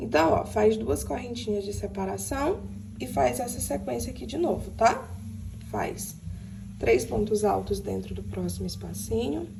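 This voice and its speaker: A woman's voice at a fairly slow pace, with big swings in loudness, audible room echo and noticeable background noise. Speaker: crochet instructor. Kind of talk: tutorial.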